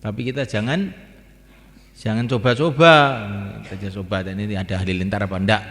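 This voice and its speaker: A man's voice: lowish voice, fairly even intonation, brisk, a bit bright, a little hiss or hum. A man preaching to a gathering, repeating his points with emphasis and sometimes chanting lines from the call to prayer. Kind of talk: religious talk to a gathering. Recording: long reverb hall.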